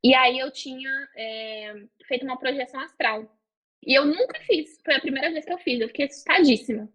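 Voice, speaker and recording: A woman's voice: high-pitched, brisk. A woman, a podcast guest telling stories casually and animatedly. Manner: animated, acts out quotes with gasps and laughs. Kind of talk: casual storytelling.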